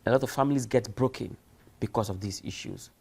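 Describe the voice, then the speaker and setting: Speaking a little fast, a man with a husky, darkish, mid-range voice presents a recorded university lecture for distance learning. He talks emphatically, asks rhetorical questions, and acts out examples.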